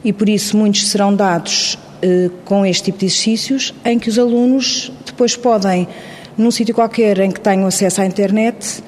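A woman answering interview questions briskly, with frequent hesitation fillers. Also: medium pitch, fairly even intonation, darkish tone, long reverb tail, slight background noise. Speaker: immigrant support staff member.

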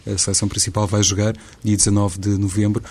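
A man moderating a football panel, framing questions with measured pauses and fillers. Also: lowish voice, flat delivery, a little mellow. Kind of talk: studio panel discussion.

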